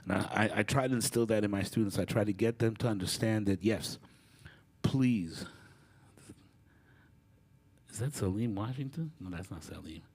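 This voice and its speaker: A middle-aged man giving a storytelling talk, animated and acting out the people he quotes. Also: fairly low pitch, normal speed, pauses often, breathy edge. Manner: animated, acts out quoted voices. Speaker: guest speaker. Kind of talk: storytelling lecture.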